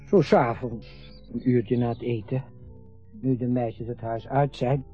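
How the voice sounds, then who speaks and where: A man's voice: mid-range voice, steady tone, a little slow, natural voice. A man acting in a radio drama, playing a chatty, eager middle-aged father proudly showing off his home. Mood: proud, relaxed. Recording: muffled radio play recording, faint music.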